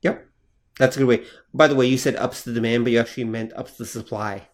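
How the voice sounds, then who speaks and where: Podcast guy keeping the convo on track, mid-pitched voice, asks questions, fixes mistakes. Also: fairly even intonation, quick pace. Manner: attentive, steering the talk with questions and corrections. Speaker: podcast co-host. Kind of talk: casual chat.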